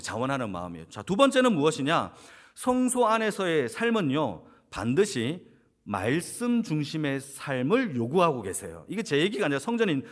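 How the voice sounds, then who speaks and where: A man's voice: fairly high pitch, fairly bright tone. A man preaching a sermon as senior pastor in a church, who asks the congregation questions and then answers them himself. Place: church sanctuary.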